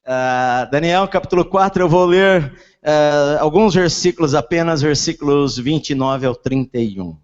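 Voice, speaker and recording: A man's voice: a little high, a little slow. A Brazilian man preaching a sermon as a pastor, talking with his mouth barely open. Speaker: pastor preaching at a church service. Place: large indoor church hall during a service. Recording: muffled, reverberant large church hall.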